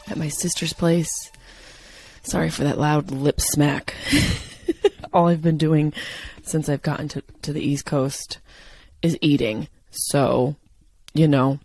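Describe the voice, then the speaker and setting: A woman hosting a comedy podcast, her voice hoarse and partly gone, talking in a brash, joking way with plenty of swearing. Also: sits low, darkish tone. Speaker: podcast host. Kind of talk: casual comedic podcast monologue. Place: guest room of a house.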